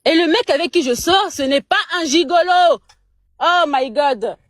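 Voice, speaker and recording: A young Congolese woman guesting on a live chat gets heated in casual conversation, her French carrying a Congolese accent and her high voice moving at a measured pace. She is emphatic and indignant, stumbling on repeated words, and she comes from the Democratic Republic of the Congo. The audio is studio quality with no room sound.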